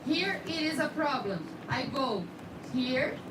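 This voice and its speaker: High-pitched Brazilian woman teaching, echoey, noisy room. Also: animated, slow pace. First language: Portuguese. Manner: checks understanding often. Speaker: instructor in dental scanning. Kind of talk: hands-on technical demonstration to trainees. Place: indoor training room with background noise. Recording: echoey room, distant mic, heavy noise.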